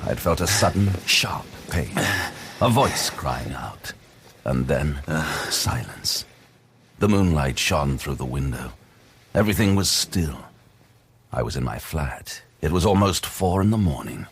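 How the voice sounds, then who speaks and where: A man's voice: lively intonation, measured pace, vocal fry, a little hiss or hum, heavily acted. An actor playing a haunted, grim male detective who narrates his story in an audio drama. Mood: brooding. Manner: low, brooding first-person narration. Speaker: narrator and lead.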